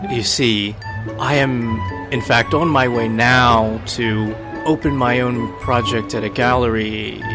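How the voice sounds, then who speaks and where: A man voicing a gentle, artistic male dwarf in a tabletop game, mild, dreamy and politely formal. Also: mid-range voice. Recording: music under the voice.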